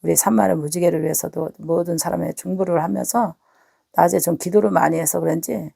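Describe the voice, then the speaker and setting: A middle-aged woman pastor, hoarse from a cold, giving an earnest spoken testimony straight to her listeners. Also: on the low side, fairly even intonation, fairly quick, dark tone, dry recording, clean studio sound. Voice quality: husky, gravelly. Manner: earnest, repeats words, talks to listeners directly. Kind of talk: spoken testimony to online viewers.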